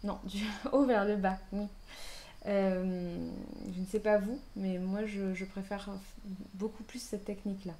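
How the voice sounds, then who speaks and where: A woman's voice: medium pitch, fairly even intonation, slow, dark tone, a little hiss or hum. A woman hosting a knitting podcast, talking casually with lots of fillers and restarts. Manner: hesitant, many fillers and restarts. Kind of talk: casual chat.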